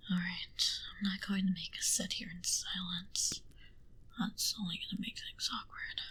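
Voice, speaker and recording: A woman playing an aloof, condescending centuries-old vampire in an ASMR roleplay, speaking in a soft breathy whisper with slow, deliberate haughtiness. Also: on the low side, little pitch movement, full character voice, poor audio. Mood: teasing, confiding.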